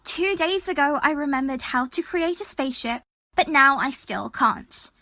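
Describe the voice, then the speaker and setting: A woman's voice: high-pitched, expressive, normal speed, pushed and bright, dry recording, heavily acted. A woman playing an exasperated, sceptical young woman in an audio drama, sarcastic and matter-of-fact. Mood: strained.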